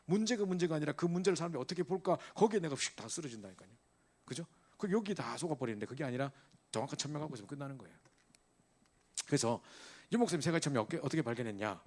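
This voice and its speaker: A man's voice: a little high, lively intonation, very fast. A middle-aged male pastor preaching an emphatic sermon to a church youth group, asking rhetorical questions and checking in with his listeners again and again.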